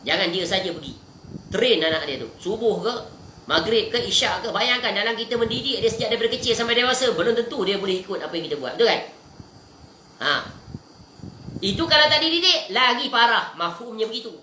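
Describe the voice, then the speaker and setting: A male religious lecturer speaks with a bright, forceful edge, switching between raised, emphatic lines and soft, low asides. His voice rings around a roomy, echoey space. A faint background noise sits under the talk. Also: fast talker. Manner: animated, swings between raised emphatic and hushed low delivery.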